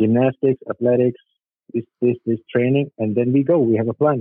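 A man speaks with a Czech accent at medium pitch. His pace is moderate. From Czech Republic, Kladno. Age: 50s. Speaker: former ice hockey player and tennis coach. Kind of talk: interview. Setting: phone call. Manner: halting, many repeated words.

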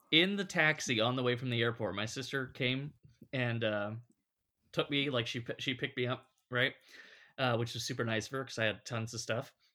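This man has a medium pitch, a bright, sharp tone and an American accent, moving at a fairly quick pace with ordinary pitch variation and long, frequent pauses. The recording is very clean, with a silent background. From United States. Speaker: podcast co-host. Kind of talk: casual chat.

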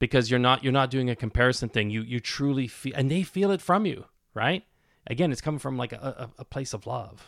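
An unremarkable speaking voice from a man, with ordinary pitch variation, on a very clean recording with a silent background. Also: medium pitch for a man, fairly quick pace. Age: 50s. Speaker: podcast host, former chef. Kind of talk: motivational solo podcast monologue. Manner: conversational, with frequent self-corrections.

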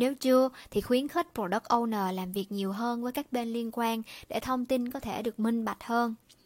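A woman with an unremarkable speaking voice talks at a moderate pace, fairly high in pitch and fairly even in intonation. The sound is dry and close with no echo, on a very clean recording with a silent background. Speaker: Agile/Scrum coach presenting an educational video. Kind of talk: scripted narration.

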